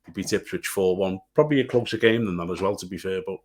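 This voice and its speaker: A man's voice: sits low, quick pace. A middle-aged man with an English accent, a podcast co-host bantering casually and bluntly with lots of swearing.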